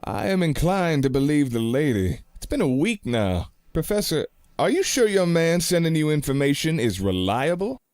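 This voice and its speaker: A man's voice: on the high side, sing-song, moderate pace, a little mellow, no echo, clean studio sound. A man playing a blunt, folksy cowboy. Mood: blunt, eager. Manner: folksy slang, blunt and eager for action. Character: brash frontier cowboy hunter, impatient. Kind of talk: community radio play acting.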